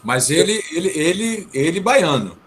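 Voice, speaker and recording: Brazilian guy host, voice a bit high, casual bantering interviewer, little background noise. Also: very animated, moderate pace. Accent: Brazilian Portuguese. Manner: informal, bantering.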